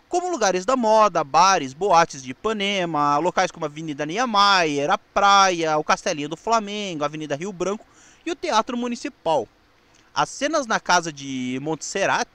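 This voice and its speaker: A Brazilian man presenting scripted narration on television history, reading in a somewhat halting way with small stumbles. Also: high voice, a bit bright, dry recording.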